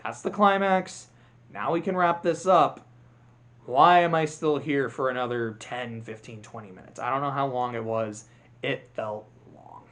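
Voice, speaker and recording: A man's voice: mid-range voice, unhurried, fairly bright tone. A man giving a casual, rambling movie review monologue, candid and prone to self-corrections. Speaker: vlogger.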